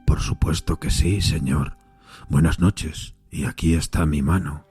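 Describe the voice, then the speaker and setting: Very deep-voiced, haunted railway signalman. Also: fairly even intonation, a little slow, darkish tone, slightly rough, faint music behind, heavily acted. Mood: grave, troubled. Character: haunted railway signalman, solitary, troubled, earnest, dread-stricken. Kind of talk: dramatised audio fiction.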